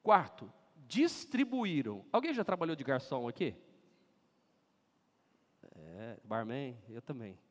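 A Brazilian man preaching a lively sermon as pastor, acting out scenes and leading the congregation to read aloud together. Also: mid-range voice, a little slow, long pauses. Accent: Brazilian Portuguese. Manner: animated, acts out scenes and leads congregation in shouting. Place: large church hall. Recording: long church hall reverb.

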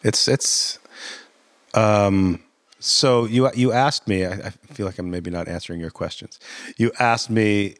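A man's voice: lowish voice, a little slow, no echo. A man who directs theater, answering interview questions in a thoughtful, rambling way with frequent fillers and restarts.

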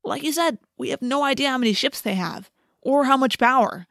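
A woman's voice: high voice, brisk, a bit bright, no room sound, studio quality, voice pushed up. A woman voicing a brash teenage boy in an audiobook, teasing and sardonic in manner. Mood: skeptical.

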